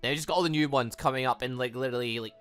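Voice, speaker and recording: A man hosting a game playthrough, rambling casually and excitably as he thinks aloud and drifts off on tangents. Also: medium pitch, very fast, clear, resonant tone, faint music behind. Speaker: host of a game playthrough series. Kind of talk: casual rambling gaming commentary.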